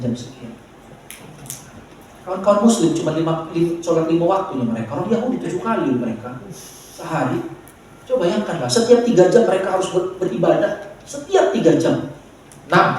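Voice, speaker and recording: Jokey medan-accent preacher guy, big boomy hall echo, some faint noise behind. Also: darkish tone. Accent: Medan Indonesian. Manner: joking, playful preaching with audience asides. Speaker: pastor. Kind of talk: sermon. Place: large church hall. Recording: very echoey hall, mic far off.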